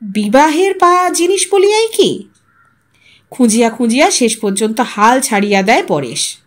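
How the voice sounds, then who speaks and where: A woman storyteller narrates literary fiction. Her voice is high and swings widely in pitch, giving the prose an expressive, dramatic shape. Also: normal speed.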